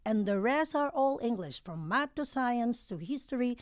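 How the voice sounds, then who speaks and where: A woman with a Filipino accent chats as a guest, her voice a bit high and bright-toned. She speaks in warm, halting English, laughs easily, and sits close to a dry, deadened mic. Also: animated, no echo. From Philippines. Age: adult, sang professionally since eighteen. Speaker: guest singer. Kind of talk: casual interview chat. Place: podcast studio.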